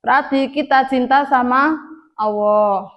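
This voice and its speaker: A young woman teacher with an Indonesian accent talks to her young pupils in a classroom. Her voice sits high and she takes her time, drawing the children in with gentle questions. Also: lo-fi sound. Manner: slow, coaxing questions to pupils. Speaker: primary school teacher.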